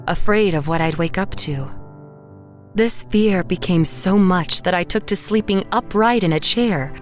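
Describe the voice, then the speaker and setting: A woman playing an anxious, haunted painter who tells her own story in measured, literary horror narration. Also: lowish voice. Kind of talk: scripted first-person horror audio drama narration. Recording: music underneath the voice. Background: background music.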